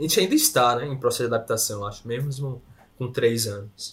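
A man's medium-pitched, somewhat breathy voice at a moderate pace, on a very clean recording with a silent background. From Bahia, Brazil (Feira de Santana). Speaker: biomedical scientist, PhD student. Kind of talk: casual interview.

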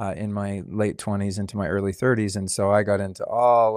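With a Californian accent, a man talks at a fairly low pitch. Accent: Californian American. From Los Angeles. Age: 50s. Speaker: lifestyle influencer. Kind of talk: interview.

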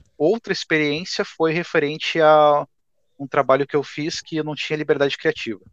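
A plain, everyday voice, dry and close with no echo, fairly even in intonation at a moderate pace. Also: man, fairly high pitch for a man. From Rio Grande do Sul, southern Brazil. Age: 20s. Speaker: digital artist. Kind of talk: casual chat.

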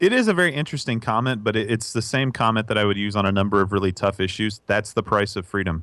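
At a very fast pace, a man speaks with fairly low pitch and ordinary pitch variation in a very clean recording with a silent background. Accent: American. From United States. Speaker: foreign affairs commentator. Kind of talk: interview. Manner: passionate.

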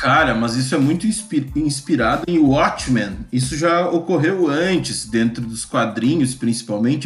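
Fairly slow speech with ordinary pitch variation over noticeable background noise. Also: man. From Brazil, rural northwest Rio Grande do Sul. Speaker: podcast host. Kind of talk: casual chat.

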